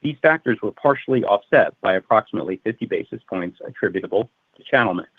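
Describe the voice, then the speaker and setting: Lowish male executive on phone line. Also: animated, fast talker, slightly rough, no echo. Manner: formal, methodical reading of figures. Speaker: finance executive. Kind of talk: prepared financial results presentation, read aloud. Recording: narrow-band phone conference line.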